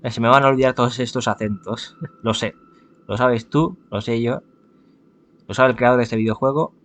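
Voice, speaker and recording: A man's voice: medium pitch, fairly even intonation, normal speed, fairly bright tone. A man playing a visual novel, reading it aloud, correcting himself and adding joking asides. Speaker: gameplay narrator.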